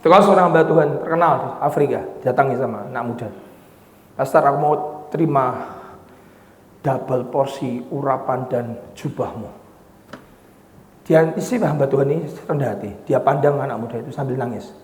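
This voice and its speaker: A male pastor preaching a sermon dramatically, acting out quoted voices and shouting for emphasis. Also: mid-range voice, moderate pace. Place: church hall. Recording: echoey, reverberant hall.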